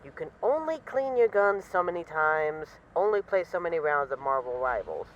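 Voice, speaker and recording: Woman as a witty, animated lady mafia boss. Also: low voice, moderate pace, highs cut off, slight background noise. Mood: wry, bored. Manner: wry, boastful, teasing, mock-indignant, swearing casually. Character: witty, self-assured female mafia boss, bored, affectionately teasing her partner. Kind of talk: intimate audio roleplay monologue as voice messages.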